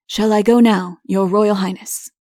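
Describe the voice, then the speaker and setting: A woman's voice: medium pitch, fairly even intonation, a little slow, dark tone, dry recording, studio quality, close to an everyday voice. A woman voicing a sensible, deferential man who attends a vain prince in a storybook tale, speaking politely and levelly.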